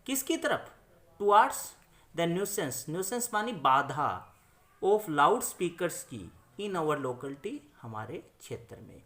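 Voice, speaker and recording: A man teaching in a classroom style, repeating points, asking questions and answering them himself, and slowing down for English phrases. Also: sits high, a bit bright. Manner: switches between English phrases read slowly and explanation. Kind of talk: classroom-style lesson explanation.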